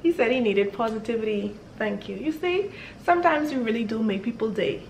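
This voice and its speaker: A young woman from the Bahamas, chatting with strangers in a casual, bubbly, flattering way. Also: on the high side, brisk, creaky. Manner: bubbly, flattering, laughs often. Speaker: vlogger. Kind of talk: casual video chat with strangers. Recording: echoey room, faint noise.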